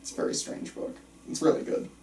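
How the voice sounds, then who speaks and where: A man in a casual group discussion, explaining ideas enthusiastically in halting, digressive runs. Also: dark tone. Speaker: participant at a film script table reading. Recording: roomy, picked up from a distance.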